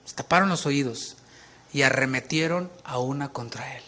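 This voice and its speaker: A man preaching a sermon as pastor, emphatic and forceful, with casual conversational asides. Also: mid-range voice, moderate pace.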